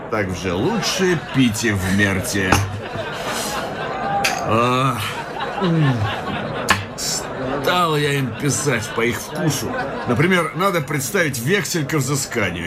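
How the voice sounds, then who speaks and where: A man's voice: fairly high pitch, noisy background. An actor playing a cynical, hard-drinking male petition-writer in a radio play, boisterous and mocking, always pressing drinks on his companion. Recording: music playing behind the voice.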